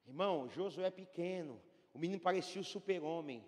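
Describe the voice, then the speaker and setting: A man from Brazil preaching a fervent sermon as pastor, swinging from hushed storytelling to shouting. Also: high-pitched, brisk. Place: church hall with long reverb. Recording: reverberant church hall.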